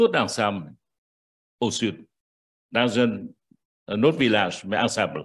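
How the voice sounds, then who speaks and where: The background stays quiet. The man speaks very slowly. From southern Vietnam. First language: Vietnamese (speaking French). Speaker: church member. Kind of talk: testimony. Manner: halting.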